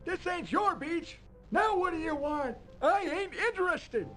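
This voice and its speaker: A man voicing a crazy, cantankerous old hermit in an adventure video game, senile and hard of hearing, yelling in a cracked, drawn-out codger's voice. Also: extremely high pitch, animated, soft background music, heavily acted. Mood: irritated, shooing.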